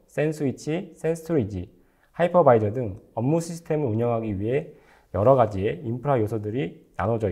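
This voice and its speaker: Mellow-voiced man giving a formal lecture. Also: mid-range voice, husky. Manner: formal, explanatory. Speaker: technical lecturer, company engineer. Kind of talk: prepared webinar lecture.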